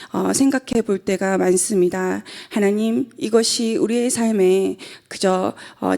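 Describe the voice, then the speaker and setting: Earnest woman in her forties, slightly gravelly. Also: mid-range voice, a little mellow. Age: 40s. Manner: earnest, hesitant with many fillers, nervous. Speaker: pastor's wife giving testimony. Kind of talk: church testimony and sermon. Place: church sanctuary at the pulpit.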